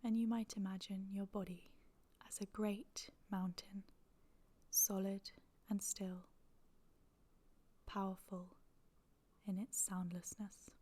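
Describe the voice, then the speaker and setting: A woman leading a guided meditation in a soft, breathy, near-whispered voice, calm and gentle, with long pauses. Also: mid-range voice. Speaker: yoga nidra meditation guide.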